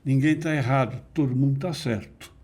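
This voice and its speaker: A middle-aged man being interviewed, explaining ideas in a measured, didactic way with emphatic stresses. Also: mid-range voice, darkish tone, breathy edge. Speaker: interview guest, NLP teacher. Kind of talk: conversational explanation.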